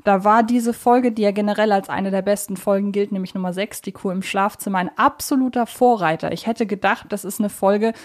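Woman podcast host, normal mid pitch, chatty but analytical, explains stuff reflectively. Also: steady tone, a little fast, few pauses. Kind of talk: conversational podcast discussion.

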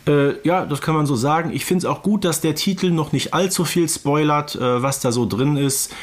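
A man's voice: a little high, normal speed. A man co-hosting a podcast and talking through a review conversationally. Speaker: podcast co-host. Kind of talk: casual review chat about audio drama episodes.

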